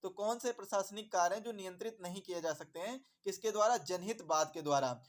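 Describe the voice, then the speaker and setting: A man's voice: high voice, fast talker. A man teaching an exam prep lesson. He repeats his points, asks questions and answers them himself, and calls viewers "my dear brother".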